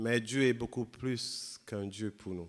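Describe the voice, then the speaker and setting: The speaker talks at a fairly slow pace with ordinary pitch variation against a quiet background. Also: man. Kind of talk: worship introduction to congregation. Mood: warm, devotional. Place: church. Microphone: handheld.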